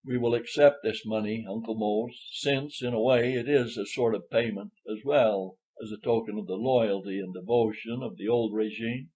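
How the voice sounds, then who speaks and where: A man's voice: on the low side, normal speed, hardly any pauses, darkish tone, breathy edge, rough recording. Man playing a courtly, sentimental old major. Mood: moved, dignified. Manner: formal, courtly. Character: courtly, sentimental Southern major, dignified older gentleman.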